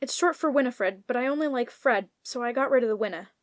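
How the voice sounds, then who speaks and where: Woman as a high-voiced plucky lady knight. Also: fast, dry recording, clean studio sound, lightly acted. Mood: cheerful, matter-of-fact. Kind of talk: audio fairy-tale comedy drama acting.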